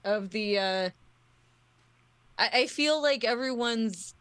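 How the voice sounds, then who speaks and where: A woman's voice: fairly high pitch, takes it slowly, a bit bright, clear, resonant tone, no echo. A woman co-hosting a podcast in casual chat with a wry, joking manner. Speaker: podcast co-host.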